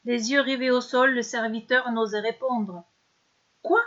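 High-voiced woman telling a story. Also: dull audio. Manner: steady, measured storytelling. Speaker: narrator. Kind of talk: scripted story narration.

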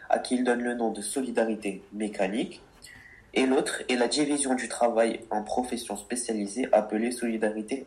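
This co-host of a word-focused radio program has a mid-range, slightly mellow voice. He reads sincere explanations aloud and responds to ribbing with playful exasperation.

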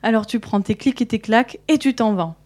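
A woman's voice: on the high side, fairly quick, darkish tone, natural voice. A woman voicing an annoyed little girl in a red hood, scolding and exasperated.

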